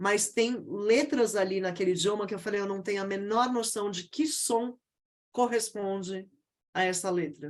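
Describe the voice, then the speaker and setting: Speaking at a moderate pace, a woman of medium pitch with ordinary pitch variation has an unremarkable speaking voice. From Brazil, Rio de Janeiro. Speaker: art critic, lecturer. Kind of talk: online open lecture.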